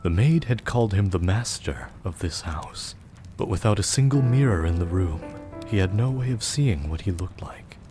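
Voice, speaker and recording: A man narrating a gothic audio drama as a somber storyteller, grave, measured and literary. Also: low-pitched, lively intonation. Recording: loud music behind the voice.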